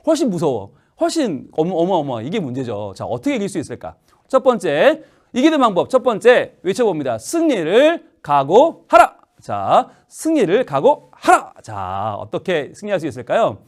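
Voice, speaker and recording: A man's voice: a little high, brisk. A male pastor giving a playful children's sermon, asking the children lots of questions. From Korea. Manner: playful, animated storytelling with questions to the audience.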